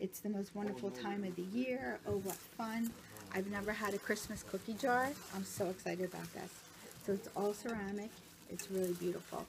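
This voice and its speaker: At a fairly quick pace, a woman speaks with ordinary pitch variation over noticeable background noise. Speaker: vlogger. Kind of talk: casual haul vlog chat. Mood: cheerful, excited. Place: home room. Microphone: phone near.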